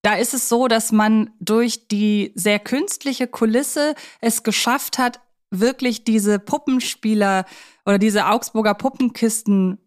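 A young adult woman co-hosting a podcast, discussing films casually in a reflective, explanatory way. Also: mid-range voice. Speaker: podcast co-host.

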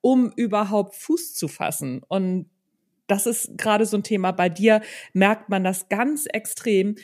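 A woman's voice: mid-range voice, unhurried, darkish tone. Female podcast host, mid-range voice, conversational and engaged, informal delivery. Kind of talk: casual interview chat.

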